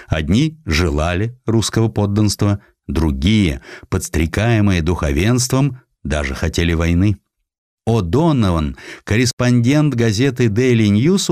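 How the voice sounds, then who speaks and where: Deep-voiced, expressive male narrator. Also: no echo, clean studio sound. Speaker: audiobook narrator. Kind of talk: dramatic scripted narration of historical prose.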